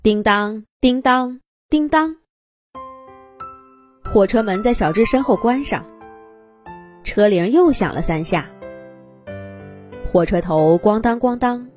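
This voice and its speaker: A woman narrating a scripted fairy tale for young children in an animated, expressive storytelling manner. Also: a little high, slow, long pauses, soft background music.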